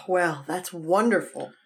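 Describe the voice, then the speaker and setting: A stammering, anxious wife. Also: female voice, on the low side, slow pace. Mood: worried. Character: devoted wife of a heart patient. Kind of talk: 1950s radio drama acting.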